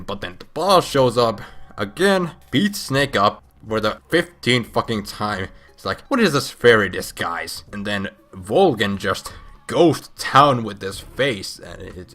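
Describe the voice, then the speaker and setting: Low-voiced man rambling drunkenly. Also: fairly bright tone. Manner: drunk rambling, repeats himself and trails off; crude, heavy swearing. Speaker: storyteller recapping a video game plot. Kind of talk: comic, casual retelling with acted-out quotes.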